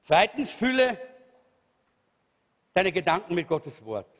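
A man preaching a lively, emphatic sermon, calling out hallelujah. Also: high voice, takes it slowly. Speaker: pastor. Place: church hall. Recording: reverberant church hall.

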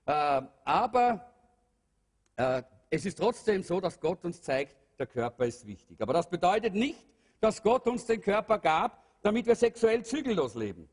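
A man's voice: high voice, big pitch swings, normal speed. A man preaching a sermon to a congregation, earnest, with many fillers and rhetorical questions. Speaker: pastor. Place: church hall. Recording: long hall reverb.

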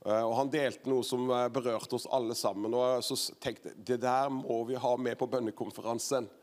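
A man's voice: medium pitch, fairly even intonation, darkish tone. A man hosting a Christian conference, speaking informally and hesitantly as he introduces and prays. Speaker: conference host introducing a preacher. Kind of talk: informal spoken introduction and prayer at a church meeting.

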